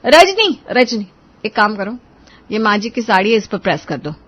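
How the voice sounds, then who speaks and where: A woman's voice: mid-range voice, moderate pace, fairly bright tone, husky, highs cut off. A woman voicing a sly, lazy eldest daughter-in-law who complains and shirks work. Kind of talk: storybook character voice.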